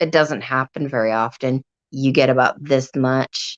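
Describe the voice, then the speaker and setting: A woman talks at a fairly slow pace with a very deep, low pitch, an animated tone and ordinary pitch variation. Her voice sounds dry and close, with no echo. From northeast Texas. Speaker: live streamer. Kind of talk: casual chat.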